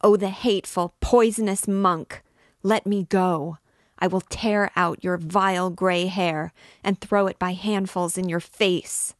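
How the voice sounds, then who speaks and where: A defiant young gypsy girl, as a woman narrator puts her on in a storybook, her words thrown out shrill and scornful. The delivery is slow and dry, close to the mic. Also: steady tone, dry recording. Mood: shrieking.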